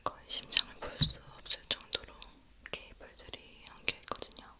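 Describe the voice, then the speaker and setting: A woman whispering in a gentle, unhurried, reassuring way, playing a caring sci-fi robot repairwoman in an ASMR roleplay.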